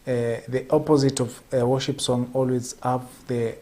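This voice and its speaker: A man's voice: mid-range voice, level tone, moderate pace, dark tone. A man from Kenya hosting a morning show, interviewing a guest in a hesitant way with many fillers. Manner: hesitant, many fillers, frequent back-channel murmurs.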